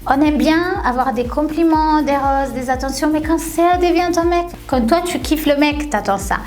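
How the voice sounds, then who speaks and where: A woman's voice: high-pitched, moderate pace, a little mellow. A young woman from Tunisia chatting casually in an interview, often laughing and repeating her words. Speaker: reality TV contestant. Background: faint background music.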